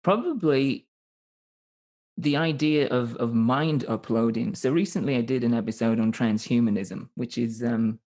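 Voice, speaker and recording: This podcast guest, a thirtysomething man from Northern England with a matching accent, has an unhurried, medium-pitched voice with a darkish tone. In a relaxed interview he wanders through his points, hedging, self-correcting and frequently starting over.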